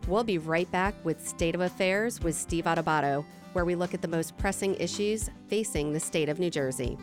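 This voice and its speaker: A woman co-hosting a studio talk show, animated and candid, often laughing. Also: lowish voice, moderate pace, soft background music. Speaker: co-host.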